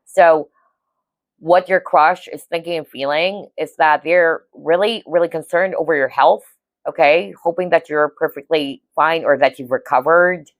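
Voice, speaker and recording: A woman's voice: low-pitched, measured pace, no room sound. A woman giving a casual tarot reading to viewers, chatty and reassuring, often checking in with "okay?". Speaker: tarot reader.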